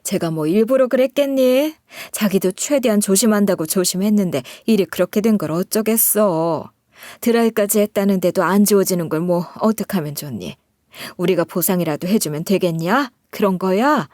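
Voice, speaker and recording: A woman's voice: mid-range voice, moderate pace, darkish tone, no room sound, studio quality, lightly acted. A woman voicing a bossy, indignant older mother-in-law who talks down reproachfully in a story read aloud. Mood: coaxing. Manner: reproachful, condescending.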